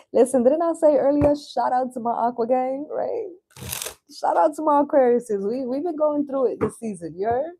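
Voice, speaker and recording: Mellow woman chatting casually on a livestream. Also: sits high, normal speed, vocal fry, husky. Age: 30s. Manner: slangy, chatty, with swearing. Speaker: tarot reader hosting a livestream. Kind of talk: casual live chat and tarot reading.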